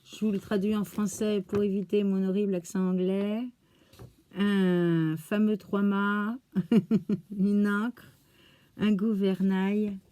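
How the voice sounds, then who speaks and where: A woman hosting a craft channel, gushing with oohs and exclamations as she slowly unpacks crafts in casual chat. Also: medium pitch, flat delivery, dark tone, no echo. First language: French. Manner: slow, thinking aloud as she unpacks.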